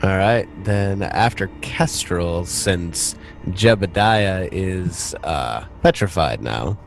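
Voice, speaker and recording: A man's voice: deep voice, slow, vocal fry, faint music behind. A man narrating a tabletop roleplaying game as game master in a casual, conversational way. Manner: informal, conversational.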